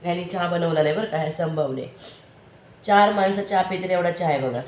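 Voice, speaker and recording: A young woman with a bad cold, talking casually to viewers in a home vlog while watching her toddler; her voice is hoarse and congested, and she keeps speaking directly to the audience. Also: fairly low pitch, a little fast, darkish tone. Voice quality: hoarse, thick voice. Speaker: vlogger and mother. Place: living room at home. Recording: echoey room, faint background noise.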